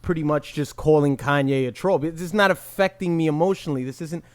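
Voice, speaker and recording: A man with a fairly high voice argues in quick bursts on a podcast. The sound is dry and close, with no room echo. He talks over his co-host and keeps pressing his case. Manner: animated, argumentative, interrupts. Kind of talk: casual podcast debate.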